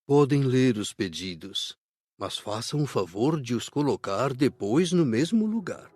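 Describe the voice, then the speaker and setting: A man acting as a kindly spirit counselor from an audiobook, courteous and patient. His middle-pitched voice explains things in measured phrases, recorded close and dry. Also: sing-song, darkish tone, slightly rough, dry recording. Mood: polite. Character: gentle, patient male spirit counselor guiding visitors. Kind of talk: audiobook character dialogue.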